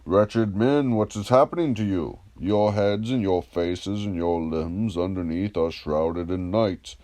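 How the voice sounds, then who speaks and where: A man reading the part of a patient, ironic, probing philosopher in a dramatised dialogue, in a measured, declamatory, questioning manner. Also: sits low, dark tone. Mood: solemn recitation.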